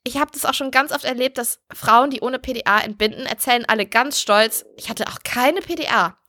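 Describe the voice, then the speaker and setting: Bright-voiced young woman telling a story. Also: fairly high pitch, brisk. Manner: candid and blunt, swears freely. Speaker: podcast host. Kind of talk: casual chat, telling a birth story.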